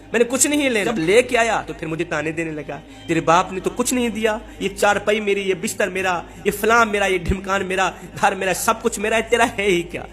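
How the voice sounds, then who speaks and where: A mistreated wife pleads in a lamenting, repetitive way, as a male narrator voices her in a story recording. The voice sits fairly high, with soft music faintly behind.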